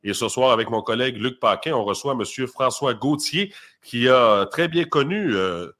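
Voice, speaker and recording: A man speaks at an ordinary middle pitch. He reads a prepared introduction in a measured way, then questions his guest in a relaxed, conversational manner. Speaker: co-host. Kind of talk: read biographical intro, then interview questions.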